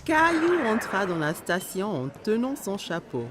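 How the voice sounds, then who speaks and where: A woman's voice: mid-range voice, very animated, measured pace, heavy background noise. A woman reading scripted children's story narration as the storyteller of a cartoon.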